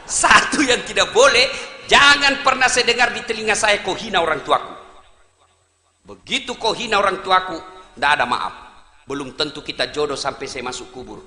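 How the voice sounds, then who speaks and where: A male preacher with a high, very bright, tense voice delivers a humorous sermon. He is emphatic and teasing, dropping quiet and then shouting. The sound rings through a large hall with long reverb and faint noise. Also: expressive, moderate pace. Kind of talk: humorous sermon to a live congregation.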